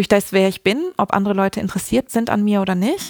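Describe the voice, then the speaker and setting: In a very clean recording with a silent background, a woman with an ordinary speaking voice talks at a moderate pace and medium pitch, using ordinary pitch variation. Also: dry, close sound with no echo. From Germany, East Westphalia-Lippe. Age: 40s. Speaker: educator, former missionary. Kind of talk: interview. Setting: studio.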